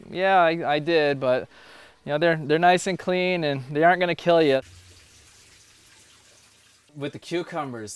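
A man's voice: mid-range voice, clear, resonant tone. A man in his thirties casually explaining his homemade aquaponics setup in a greenhouse and at home, speaking plainly with fillers and restarts.

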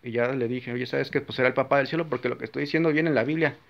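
A man's voice: mid-range voice, steady tone, racing, gravelly. Blunt Mexican man preaching informally. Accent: Mexican Spanish. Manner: blunt, forceful talk; rambling, with frequent restarts. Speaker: Catholic video maker. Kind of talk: informal religious monologue. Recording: slightly dull, lo-fi recording.

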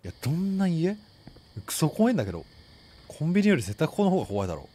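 A young man commentating live on a horror game in rough casual speech, blurting exclamations and sarcastic quips. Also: a little high, wildly swooping pitch, fast talker, warm tone. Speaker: game streamer. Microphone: desk streaming mic, indoors.

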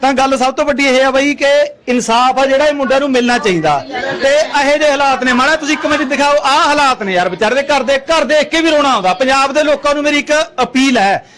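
A man's voice: very high voice, quick pace, fairly bright tone. A man doing an on-the-spot field interview at a village home, consoling the family and speaking to camera.

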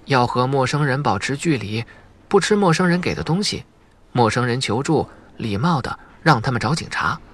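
Man voicing an innocent schoolgirl, pitched up. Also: expressive, moderate pace, fairly bright tone, husky. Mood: matter-of-fact, indignant. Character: innocent, earnest young schoolgirl. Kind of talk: audiobook character dialogue.

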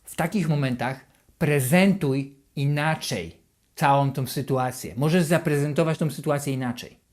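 Self-help host talking straight to you, lively, keeps repeating the same questions, goes quiet and worried when acting out thoughts. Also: mid-range voice, moderate pace. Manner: animated, acts out inner thoughts in a hushed, anxious voice; repeats and rephrases questions over and over. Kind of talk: motivational talk to the viewer.

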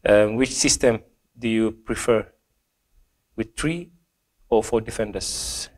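A young man from Gambia, a football player, reads out fan questions and answers them with many pauses, fillers and restarts. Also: lowish voice, a little mellow. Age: young adult. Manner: hesitant, many ums and restarts. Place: small plain indoor room.

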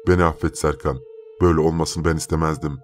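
A man's voice: extremely low pitch, fairly even intonation, fast, soft background music. A man voicing a frail, frightened young woman possessed by jinn, speaking wearily and pleading. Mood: weary pleading. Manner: pleading, weary.

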